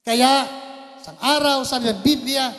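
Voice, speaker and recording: A man's voice: extremely high pitch, a little slow, fairly bright tone, big-room sound. A man preaching a sermon as pastor, playful, often asking the congregation questions. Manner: preaching in Tagalog mixed with English, playful, asks the congregation questions. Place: church.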